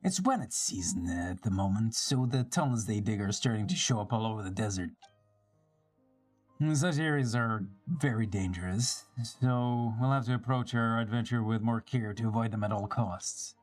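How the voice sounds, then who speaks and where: A man's voice: on the low side, moderate pace, a little mellow. A man live streaming a dramatic read-aloud of video game dialogue, acting out the lines and now and then stumbling over a word. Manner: theatrical, switches between character voices, stumbles and rereads lines. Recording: music behind the voice.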